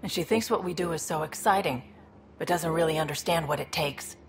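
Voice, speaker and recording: A woman's voice: low-pitched, fairly quick, slight background noise, lightly acted. A woman voicing a protective, weary alien mercenary sister in a video game, dry, guarded and exasperated. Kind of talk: dramatic video game acting.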